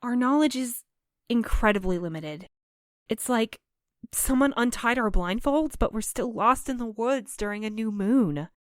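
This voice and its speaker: A woman's voice: a little high, lively intonation, unhurried, no room sound, studio quality. A woman playing a diplomatic, level-headed courier in an audio drama, speaking in a careful, placating way. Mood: earnest.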